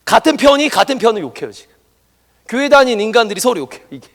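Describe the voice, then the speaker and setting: A man preaching a sermon as pastor, animated and emphatic, acting out the voices he quotes. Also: very high voice, fast talker, creaky. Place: church education hall. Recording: reverberant church hall.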